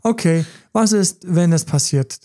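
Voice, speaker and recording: A middle-aged relationship coach hosts a casual podcast in a fairly high, mellow voice, speaking unhurriedly. He tells stories with animated energy, acting out little inner voices along the way.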